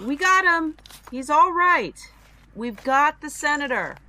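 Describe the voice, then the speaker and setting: An urgent rescue leader in an audio drama, high and forceful. She calls out commands slowly over faint background noise. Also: animated, full character voice, low-quality recording. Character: urgent rescue worker leading a team, commanding.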